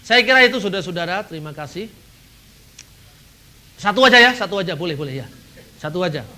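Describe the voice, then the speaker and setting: A middle-aged man from Indonesia giving an animated seminar talk, acting out dialogues and chuckling now and then. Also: high-pitched, fast. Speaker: seminar speaker.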